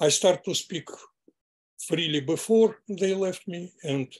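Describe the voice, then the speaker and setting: A man speaks at a very slow pace with ordinary pitch variation. The background is quiet. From Russia. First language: Russian. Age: 80s+. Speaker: artist. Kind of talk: panel discussion. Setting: video call. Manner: halting. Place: home room. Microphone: video call.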